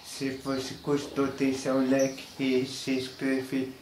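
A man's voice: medium pitch, monotone, a little mellow. A young man with a Carioca accent, talking casually to the camera in a small room and explaining slang word by word. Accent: Carioca Portuguese. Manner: slow, halting, explaining word by word. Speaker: YouTuber. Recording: roomy echo, faint hiss.

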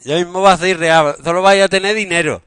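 Middle-aged man teaching a class, playfully teasing; bright, slightly high voice. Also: steady tone, brisk, clean tone, no echo, studio quality. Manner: banters and teases students, joking about football. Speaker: secondary school English teacher. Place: school classroom.

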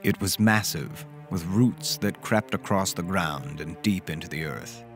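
Low-pitched male actor as lovestruck gentleman telling his own gothic horror tale, music underneath. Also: measured pace. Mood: tense, dread. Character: smitten gentlemanly man recounting a dark horror romance. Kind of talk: dramatic first-person audio drama narration.

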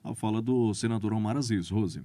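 Young brazilian radio anchor, mellow voice, studio mic, short handoffs. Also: male voice, on the low side, a little fast. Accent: Brazilian Portuguese. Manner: brief conversational handoffs. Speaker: news anchor. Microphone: studio microphone.

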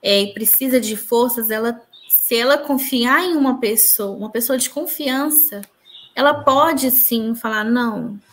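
A woman's voice: on the high side, unhurried, a bit bright. Earnest woman recounting spiritual experiences. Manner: earnest, tells her story with reported dialogue. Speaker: interviewee. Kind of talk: personal spiritual testimony.

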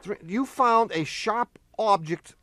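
A man's voice: high-pitched, slow, crowd noise. A middle-aged man co-hosting a call-in radio show, teasing callers and laughing often. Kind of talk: joking call-in chat.

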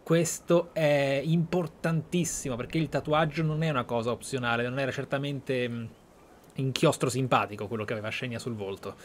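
A man hosts a roleplay playthrough in a mid-range voice. He speaks emphatically, with dramatic, deliberate pauses. There is faint noise behind him. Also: mid-range voice, fairly even intonation. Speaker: gaming streamer, host. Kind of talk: emphatic roleplay let's play commentary.

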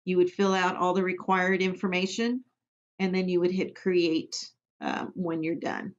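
Woman trainer for a software walkthrough, plain instructional delivery with fillers, muffled computer-mic sound. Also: lowish voice, fairly even intonation, a little slow. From Missouri. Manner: plain step-by-step instructions with frequent ums. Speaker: immunization program trainer. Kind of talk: screen-recorded software tutorial. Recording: dull lo-fi audio.

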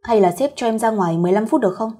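A woman's voice: fairly high pitch, racing, dark tone, breathy edge. A woman voicing a feisty, pert young female employee in a fireside storyteller's audio tale. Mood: polite, pert. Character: feisty young female employee, grumbling yet polite to boss. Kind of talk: acted dialogue in an audio story.

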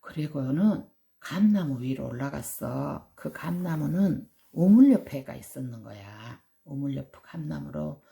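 Slow gravelly woman bedtime storyteller. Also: sits low, expressive. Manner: slow, gentle, whispering asides. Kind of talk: bilingual bedtime story reading.

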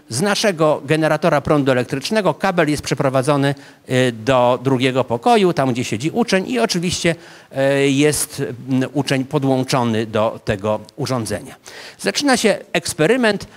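Holding a microphone in an ornate hall, a man in his fifties who teaches psychology narrates a scene as a vivid story for a seated audience at a public lecture, with frequent hesitation fillers. He speaks at a moderate pace in an animated, slightly high voice.

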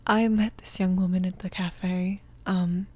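A woman playing a tender, flustered mafia boss in an ASMR roleplay, speaking softly and haltingly, often near a whisper. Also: fairly low pitch, flat delivery. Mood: concerned, explaining. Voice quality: soft, creaky, breathy whispering at times. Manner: hesitant, reassuring, halting. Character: protective young female mafia boss, tender, flustered, apologetic.

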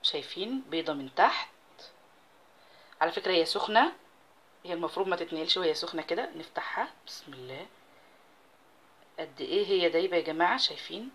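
Fast-talking Egyptian woman cooking host. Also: on the low side, lively intonation, fairly bright tone. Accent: Egyptian Arabic. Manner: chatty, talks while working with her hands. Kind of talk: casual recipe demonstration.

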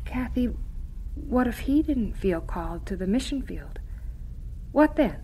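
A woman acting a gentle, devout middle-aged mother in a Christian radio drama, soothing and earnest. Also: a little high, lively intonation, unhurried, husky, poor audio. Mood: concerned. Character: gentle, devout mother comforting her daughters.

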